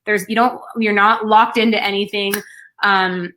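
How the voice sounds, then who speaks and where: A woman's voice: medium pitch, steady tone, measured pace, sharp tone. A woman hosting a live video chat, enthusiastic and encouraging, often repeating herself. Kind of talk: upbeat network marketing chat.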